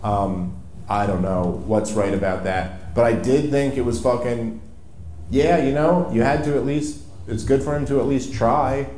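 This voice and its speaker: A man hosts a live political comedy podcast from the stage in a mellow, relaxed tone. He talks informally and emphatically, swearing often, and his voice echoes through the venue with faint noise behind it. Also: medium pitch, unhurried. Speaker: podcast host.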